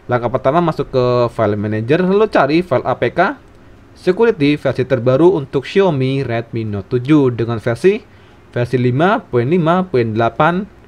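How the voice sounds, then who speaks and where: A man's voice: medium pitch, normal speed. Man narrating a phone tutorial. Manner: steady, step-by-step instructional reading. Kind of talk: scripted tutorial voice-over. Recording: voice-over with faint background music.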